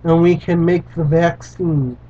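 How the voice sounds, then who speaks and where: A man reading the lines of an old gray-haired male doctor, urgent and pleading, in a halting read-aloud way. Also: fairly high pitch, flat delivery, dark tone, close to an everyday voice. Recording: dull lo-fi recording.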